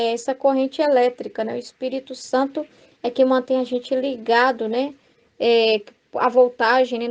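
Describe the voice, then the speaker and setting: Husky-edged Brazilian woman teaching scripture. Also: high voice, a little mellow. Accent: Brazilian Portuguese. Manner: conversational, frequent "né?" tags, reads passages aloud. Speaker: Bible study teacher. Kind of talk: Catholic devotional study talk.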